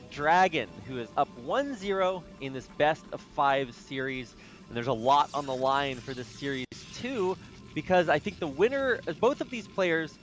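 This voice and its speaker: A man with a slightly high voice casts a strategy game, chatting loosely between plays. He gets excited when the action heats up. Faint music plays underneath. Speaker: esports caster. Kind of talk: play-by-play commentary.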